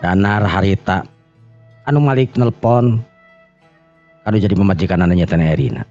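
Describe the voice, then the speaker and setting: A man with a Sundanese accent and a gravelly, husky voice, telling a serial drama in an unhurried, conversational way. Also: deep voice, a little mellow. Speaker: storyteller and channel host. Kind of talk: oral storytelling of a serial folk drama. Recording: muffled recording with music underneath.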